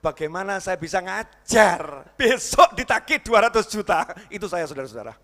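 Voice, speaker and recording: A man preaching a sermon in a mosque, lively and sometimes shouting as he acts out voices. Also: high voice, moderate pace. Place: large mosque hall. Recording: echoey hall reverb.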